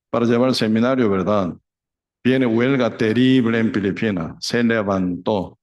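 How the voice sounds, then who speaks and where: A middle-aged man with a Korean accent preaching a sermon in simple, broken Spanish, often adding tag questions and acting out scenes loudly. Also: fairly low pitch. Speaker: pastor.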